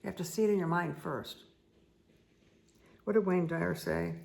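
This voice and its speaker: A middle-aged woman with a hoarse, croaky voice, slowly reading cards and giving soft, repetitive spiritual guidance. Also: on the low side, fairly even intonation. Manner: slow, soothing, repetitive guidance with asides. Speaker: spiritual reader and meditation guide. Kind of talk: casual spoken card reading.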